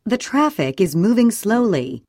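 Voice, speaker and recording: A woman reading short English sentences slowly and clearly for a listening and repetition drill. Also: mid-range voice, dry recording, studio quality. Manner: clear, even, deliberate reading. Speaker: English audio reader.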